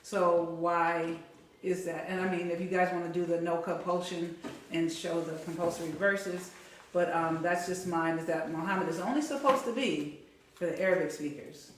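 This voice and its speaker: A woman chatting as a panel guest on a livestream, halting with many fillers and laughing asides. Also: on the low side, steady tone. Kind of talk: casual livestream chat. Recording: roomy, distant mic, faint noise.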